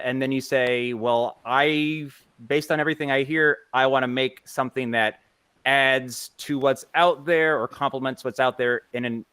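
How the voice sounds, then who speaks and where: A man giving an informal panel presentation, halting and often rephrasing as he thinks aloud. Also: mid-range voice, fairly bright tone, clear, resonant tone, no echo. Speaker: panelist and podcast creator.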